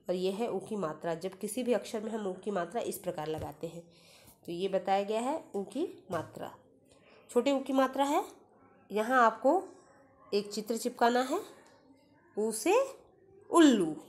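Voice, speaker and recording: A woman teaching a first-grade Hindi lesson, slowly spelling out each syllable before saying the whole word. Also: a little high, a little mellow. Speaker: primary school Hindi teacher. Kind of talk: online class lesson, reading words aloud syllable by syllable.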